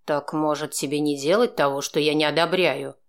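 A woman reader voicing a calm, blunt man who answers with curt irony, in her own low voice. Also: moderate pace. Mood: sardonic. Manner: cool, ironic, curt. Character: composed, blunt, sarcastic man.

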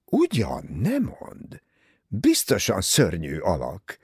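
A man's voice: low voice, wildly swooping pitch, breathy edge, dry recording, studio quality, exaggerated voice. A man voicing a prim, disapproving older English mother in an audiobook, scolding and easily offended.

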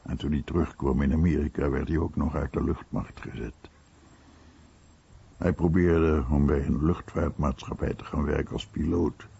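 A man giving a measured Dutch documentary voice-over of someone's recollections. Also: extremely low pitch, fairly even intonation, gravelly, dark tone, husky, exaggerated voice. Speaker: voice-over translator. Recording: dull, muffled radio recording.

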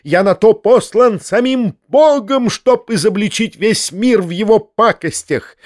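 A man reading an audiobook, voicing a pompous, self-righteous older male hypocrite who shrieks in a high, preachy voice. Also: dry recording, clean studio sound. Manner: sanctimonious, preachy, hysterical.

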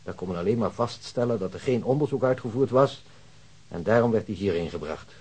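An actor playing a self-assured hospital doctor in a Dutch radio drama, explaining things in a measured, pedantic way. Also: male voice, lowish voice, animated, a little mellow, husky, low-quality recording. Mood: clinical, assured.

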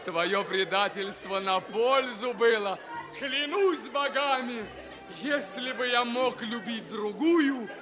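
An actor playing a noble, lovesick young prince, declaiming ardently in a 1960s radio theatre production. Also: male voice, very high-pitched, slow pace, music in the background, a crowd in the background. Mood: ardent pleading. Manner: ardent, exclamatory.

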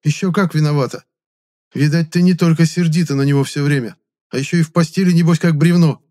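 A man voicing a sharp-tongued young male hero who talks bluntly and scolds. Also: mid-range voice, fairly quick, voice pushed up, close to an everyday voice. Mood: scolding.

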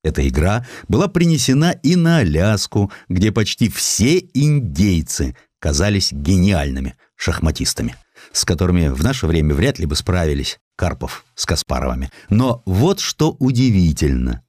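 Deep-voiced man narrating history, very expressive. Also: normal speed, no echo, clean studio sound. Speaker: audiobook narrator.

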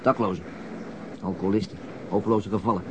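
An actor playing a weary, gloomy police detective in a radio drama, dry and sarcastic. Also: male voice, lowish voice, fairly even intonation, brisk, natural voice. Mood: grim, cynical. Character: weary, cynical male police detective, married, curtly sarcastic. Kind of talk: naturalistic radio drama acting. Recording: noisy old radio drama recording.

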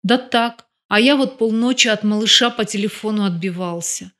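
A woman reading the part of a gruff, grumbling male bodyguard in an audiobook, with a lightly lifted voice. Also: medium pitch, normal speed, fairly bright tone, lightly acted. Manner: grumbling, teasing.

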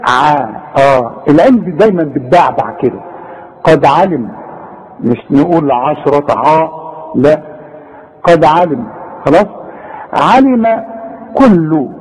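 Husky high-voiced Egyptian recitation teacher. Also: male voice, darkish tone. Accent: Egyptian Arabic. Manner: patient, corrective, repeats and demonstrates each sound slowly. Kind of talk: one-on-one recitation correction. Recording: long reverb, echoey room.

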